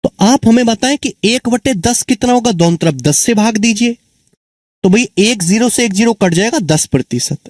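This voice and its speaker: A man's voice: high voice, lively intonation, moderate pace, no room sound. A man teaching an exam-prep maths lesson, who keeps repeating answers and asking his students questions. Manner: calls students children and friends.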